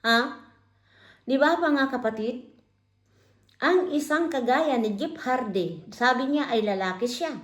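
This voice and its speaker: A woman's voice: high voice, slow, pauses often, echoey room. A woman hosting online commentary, calling out a critic with pointed repeated questions. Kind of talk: confrontational live commentary.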